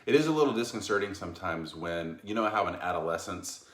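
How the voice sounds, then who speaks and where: A man's voice: low-pitched, animated, fast. A man co-hosting a live show, talking in an easygoing, rambling way with many fillers. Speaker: co-host. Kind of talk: casual chat. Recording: echoey room.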